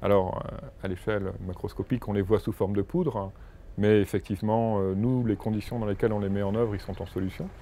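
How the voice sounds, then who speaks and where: A dark, mellow tone with fairly even intonation at a fairly quick pace. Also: man, fairly low pitch for a man. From northern France, Lille; France. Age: 40s. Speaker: chemistry professor. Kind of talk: interview; interview answer. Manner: hesitant, frequent fillers and repetitions. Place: office. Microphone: lapel.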